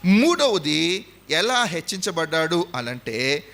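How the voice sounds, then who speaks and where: High, bright-voiced Telugu preacher man. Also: very animated, slow. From India. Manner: emphatic preaching, repeats points and quizzes the audience. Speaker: pastor. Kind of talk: sermon.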